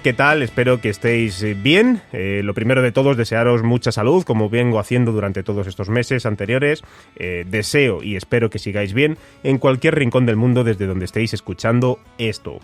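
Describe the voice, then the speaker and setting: A podcast host with a Spanish accent delivers a scripted intro with enthusiastic emphasis. His voice is medium-pitched and the recording is dry.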